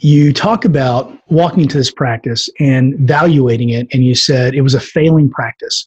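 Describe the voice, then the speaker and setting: At a fairly quick pace, a man speaks in a somewhat breathy voice at a fairly high pitch. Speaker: dentist podcast host. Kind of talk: interview. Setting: studio.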